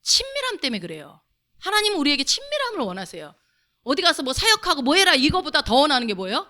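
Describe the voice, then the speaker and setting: A woman's voice: sits high, huge pitch swings, quick pace, bright, forceful tone. A woman pastor preaching a sermon to her congregation, asking them questions as she goes. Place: church sanctuary.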